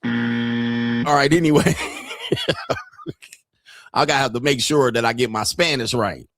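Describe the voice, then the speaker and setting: A man's voice: mid-range voice, measured pace, a bit bright, no room sound. A man hosting a casual commentary livestream, joking and rambling in slangy talk. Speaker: podcast host.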